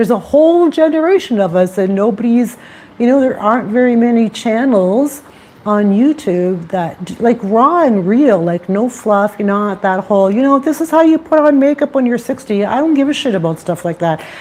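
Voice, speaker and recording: A woman's fairly high voice in a Canadian accent with very wide pitch swings, at a moderate pace over noticeable background noise. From Canada (Sudbury, Ontario). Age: 60s. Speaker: YouTuber on aging. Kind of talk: casual livestream chat.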